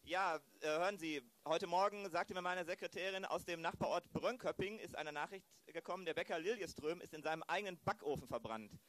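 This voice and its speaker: A man's voice: sits high, fairly quick, few pauses, fairly bright tone. A man playing a formal, blustering police chief in an improvised amateur radio play. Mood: officious, concerned. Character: officious male police chief, brisk and demanding.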